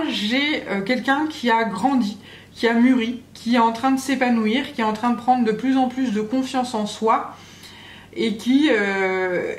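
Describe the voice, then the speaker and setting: A woman giving a channeled tarot reading to the viewer in a casual, hesitant way, with many fillers and restarts. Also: fairly high pitch. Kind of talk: casual spoken guidance to the viewer. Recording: echoey room with faint background hum.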